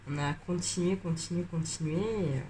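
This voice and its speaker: A tired, slightly congested woman chatting casually while coloring, rambling with many hesitations and pauses. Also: fairly low pitch, dark tone, a little hiss or hum. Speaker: coloring vlogger.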